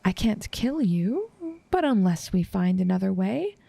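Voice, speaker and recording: A woman playing an obsessive, smug assassin smitten with her target, speaking in a teasing, formal, measured and menacing way in an intimate audio roleplay. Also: medium pitch, sing-song, creaky, dark tone, slightly rough, dry recording, heavily acted. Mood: softly threatening.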